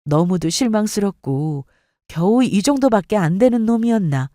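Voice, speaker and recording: Expressive woman reading a story. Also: medium pitch, moderate pace, no echo, clean studio sound. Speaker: story reader. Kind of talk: dramatic first-person story narration.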